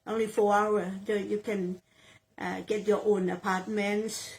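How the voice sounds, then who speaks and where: A woman in her sixties from Thailand, working in real estate sales, speaks halting English with a Thai accent during an interview, repeating phrases as she gropes for words. Her voice is medium-pitched, level and somewhat dark, and the recording is rough.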